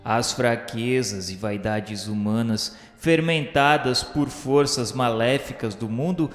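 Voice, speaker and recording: A man with a Brazilian accent reading scripted, literary radio narration in a solemn, grandiloquent, formal manner. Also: mid-range voice. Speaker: narrator of a religious radio novela. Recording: echoey hall-like reverb, music underneath. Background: music.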